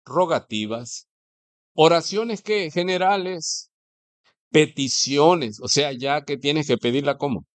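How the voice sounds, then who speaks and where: Mexican preacher with a fairly high voice. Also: male voice, takes it slowly. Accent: Mexican Spanish. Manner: conversational, poses rhetorical questions to the congregation. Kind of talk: sermon. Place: church.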